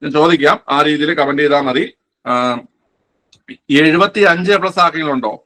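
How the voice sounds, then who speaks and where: The same man is quizzing exam candidates online, speaking fairly quickly in a bright, somewhat high voice. Relaxed and classroom-like, he repeats each answer and frequently answers the questions he asks.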